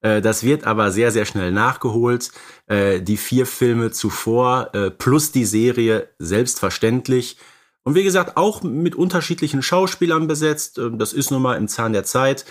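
A man's voice: medium pitch, lively intonation, measured pace. Man in casual film podcast conversation. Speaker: podcast co-host.

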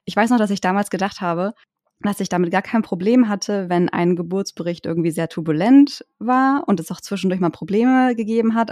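A woman's voice: medium pitch, warm tone, no echo, clean studio sound. A woman co-hosting a podcast, speaking in a reflective, hesitant way with frequent restarts. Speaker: podcast co-host. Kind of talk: casual podcast chat.

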